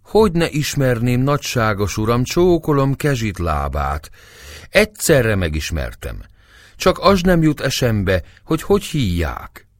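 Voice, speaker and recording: A man voicing a ragged, sly old gypsy who flatters and fawns in rustic speech. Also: medium pitch, no room sound, studio quality, pitched above the performer's own voice. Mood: fawning.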